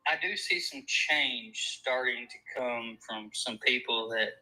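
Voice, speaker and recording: Middle aged lady w a thick arkansas southern accent, really bright sharp voice, polite caller chatting casually. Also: a bass voice, slow pace, poor audio. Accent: Arkansas Southern American. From Arkansas, United States. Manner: deferential, says ma'am often. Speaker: caller on a live stream.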